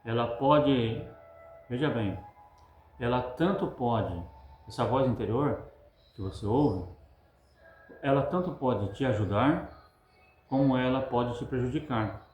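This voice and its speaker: A man's voice: mid-range voice, takes it slowly, pauses often, a little mellow, a little hiss or hum. A preacher gives a sermon, repeating his points with emphasis and asking the listeners rhetorical questions. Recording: roomy echo.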